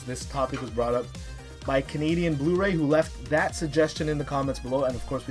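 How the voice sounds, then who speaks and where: A man in his thirties hosting a casual, chatty video countdown, talking in an animated, emphatic way with playful hype. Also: mid-range voice. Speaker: host of a top three video series.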